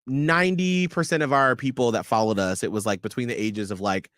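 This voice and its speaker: A man's voice: medium pitch, brisk, no room sound, clean studio sound. A man in his thirties co-hosting a radio show, chatting playfully and teasing his co-host. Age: 30s. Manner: playful, teasing, lively delivery. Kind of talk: casual chat.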